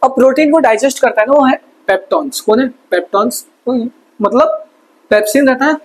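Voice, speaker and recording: Breathy man quizzing through a revision lesson. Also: very high-pitched, expressive, low-quality recording. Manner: quizzes himself with quick call-and-response questions; casual, chatty teaching with mnemonic tricks. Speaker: science tutor.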